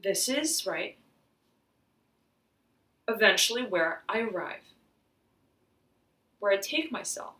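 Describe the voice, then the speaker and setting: A woman giving an intuitive tarot reading, halting and searching as she talks, slightly hoarse, often saying "right" and "I'm hearing.". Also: medium pitch, animated, pushed and bright, far from the mic. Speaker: tarot reader. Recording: roomy echo, voice off-mic.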